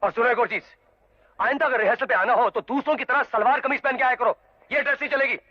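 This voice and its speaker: A man's voice: very high-pitched, fast. An actor playing a brash, teasing young man who runs a dance school, mixing English into his talk. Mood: scolding. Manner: breezy, teasing, mixes English into speech. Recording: dull old film soundtrack with music.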